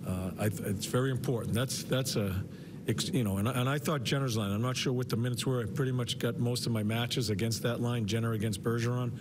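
An older man in his sixties, a head coach, answering postgame press questions in halting bursts with repeated words and many fillers. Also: medium pitch. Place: arena press room. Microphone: podium mic, medium camera shot. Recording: broadcast feed with steady background noise.

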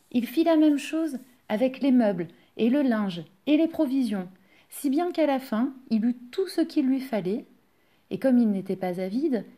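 Warm-voiced woman telling a tale. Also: on the high side. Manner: expressive, addressing young listeners. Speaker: library storyteller. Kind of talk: storybook reading aloud.

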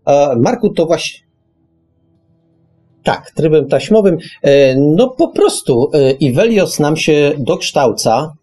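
A man co-hosting a radio show in casual talk, explaining things haltingly and often repeating his phrases. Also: fairly high pitch, expressive, warm tone, husky, faint music behind.

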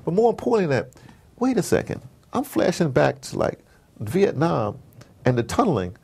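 A man's voice: a little high, big pitch swings, moderate pace, creaky, darkish tone, breathy edge. An American man telling rambling, opinionated stories in a casual interview, often digressing and acting out conversations. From United States. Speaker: interview guest, audio drama producer.

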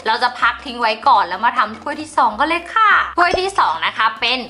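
Woman craft-tutorial host; cheerful chatter, crisp bright tone. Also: a little high, sing-song, fast talker, soft background music. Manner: bubbly, polite, talks straight to viewers. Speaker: slime-making channel host.

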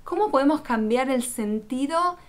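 A woman's voice: high-pitched, lively intonation, normal speed. A woman teaching about Jewish tradition, explaining patiently and speaking straight to the viewer. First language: Spanish speaker, not Hebrew. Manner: patient, addresses viewer directly.

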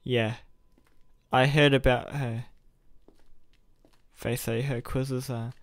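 A man's voice: medium pitch, little pitch movement, takes it slowly, no room sound, natural voice. A young man playing an awkward, earnest college student who is secretly a superhero, in a roleplay audio with hesitant delivery. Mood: friendly, casual.

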